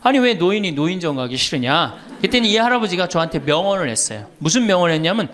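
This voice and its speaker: A man's voice: sits high, fast talker. A middle-aged man, a Catholic priest, giving a humorous lecture, telling stories and teasing the audience with questions. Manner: animated storyteller, teasing questions to the audience, laughs often.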